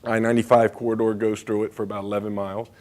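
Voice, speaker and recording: A man's voice: lowish voice, little pitch movement, racing, a little mellow. A man giving a conference presentation as a state bridge engineer, speaking casually with frequent fillers and asides.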